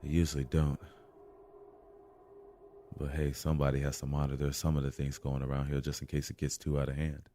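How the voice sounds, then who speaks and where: A man's voice: extremely low pitch, completely flat delivery, fairly quick, pauses often, mellow, a little hiss or hum. An actor playing a weary, wry, street-smart man surviving a deadly night, muttering and sighing through an audio drama monologue. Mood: wry, confiding.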